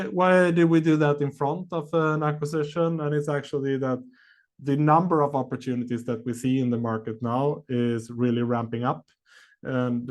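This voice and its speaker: A man answering questions as a company executive on an earnings call, speaking haltingly with many long filled pauses. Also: mid-range voice.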